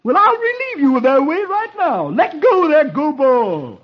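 A man voicing a greedy, scheming male fox who talks in excited exclamations, on an old radio story. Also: extremely high pitch, normal speed, background noise, pitched above the performer's own voice. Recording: dull old radio recording with music.

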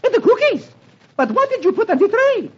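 A man voicing an excitable young French maid in a shrill, flustered manner, on a dull old radio recording. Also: moderate pace, slight background noise.

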